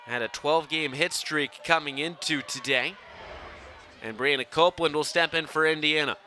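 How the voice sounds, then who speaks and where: Young man, bright punchy play-by-play voice. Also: a little high, normal speed. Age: young adult. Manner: projected, excited on big plays. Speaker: play-by-play sportscaster. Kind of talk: live sports play-by-play commentary. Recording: faint ambient outdoor noise behind.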